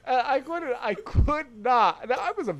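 A woman's voice: high-pitched, animated, normal speed. A young adult woman co-hosting a podcast, chatting casually and telling stories with frequent laughter. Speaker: podcast co-host. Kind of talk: casual chat.

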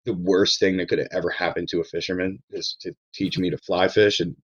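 A man's voice: low voice, flat delivery, a little fast, slightly rough, lo-fi sound. A man from Maryland talking casually on a podcast as a chef guest, rambling with restarts and blunt swearing.

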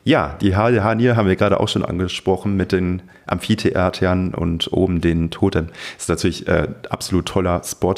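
A man's voice: sits low, steady tone, fairly quick, few pauses, darkish tone. A man co-hosting a podcast, chatting casually. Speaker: podcast co-host.

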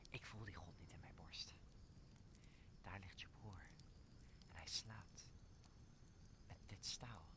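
Low, hushed, scheming villain, acted by a man. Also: takes it slowly, pauses often, in a whisper. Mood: cold scheming. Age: young adult. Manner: hushed, conspiratorial, insistent. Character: scheming, coaxing villain plotting a murder. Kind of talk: Shakespearean audio drama dialogue.

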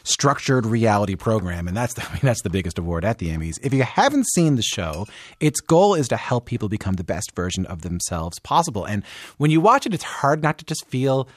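Lively, animated male radio host. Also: on the low side, no echo. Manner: lively, chatty, quick to laugh. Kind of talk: radio interview. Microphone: studio microphone, dry sound.

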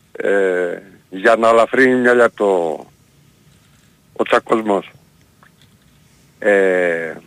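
A man calling in to a radio show, speaking haltingly and deliberately. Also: medium pitch, a bit bright, dry recording. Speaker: caller. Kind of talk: phone-in comment.

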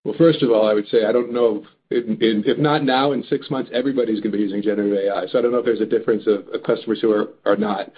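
A man answering as a company executive on an earnings call, halting but upbeat and emphatic. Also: fairly low pitch, steady tone. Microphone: phone or conference call line. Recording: muffled narrow phone line.

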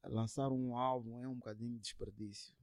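Male musician guest, casual interview chat. Halting, repetitive phrasing with English slang, very dry sound. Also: medium pitch, fairly even intonation, darkish tone, no echo.

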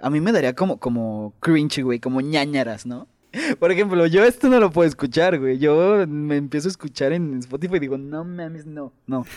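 A man's voice: fairly high pitch, animated, fairly quick, darkish tone, dry recording. Slangy young Mexican guy, dry close mic. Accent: Mexican Spanish. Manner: slangy, laughs often, tells anecdotes. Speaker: podcast co-host. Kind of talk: casual podcast chat.

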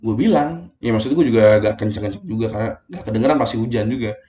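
A young man recounts a personal episode in loose, slangy talk, stumbling over his words when feelings rise. His voice sits warm and mellow. The recording is a dull, lo-fi phone voice message in a roomy space. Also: fairly low pitch, fast talker. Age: young adult. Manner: slangy, emotional retelling with many fillers. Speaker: storyteller. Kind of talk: casual personal monologue.

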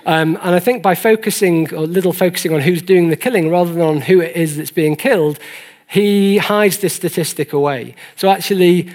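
Higher-voiced man giving an explanatory lecture. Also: moderate pace, darkish tone. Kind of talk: explanatory presentation of statistics to an audience.

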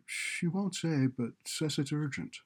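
Man acting young woman secretary, high-pitched for him, polite, businesslike, storybook dialogue. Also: expressive, slow, husky, heavily acted. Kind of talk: audiobook character dialogue.

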